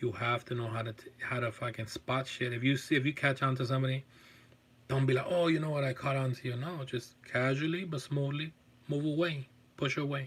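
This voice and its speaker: Here is an unremarkable speaking voice, a man at medium pitch with an American accent. His pace is fairly quick and his intonation fairly even. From Los Angeles, US. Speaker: vlogger. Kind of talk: casual livestream chat. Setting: live stream.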